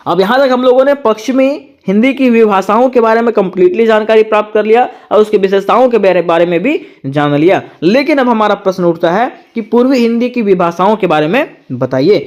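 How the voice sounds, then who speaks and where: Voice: mid-range voice, animated, brisk, hardly any pauses, muffled recording. A tutor giving an exam-prep lecture, asking rhetorical questions and answering them, repeating each point twice.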